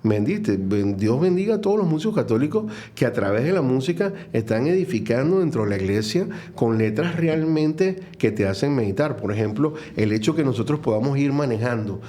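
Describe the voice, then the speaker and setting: A man's voice: medium pitch, lively intonation, a little fast, few pauses, dark tone. A middle-aged man with a Venezuelan accent, a guest speaking earnestly and reflectively in a conversational interview, with many fillers and restarts. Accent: Venezuelan Spanish. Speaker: guest, Catholic music minister.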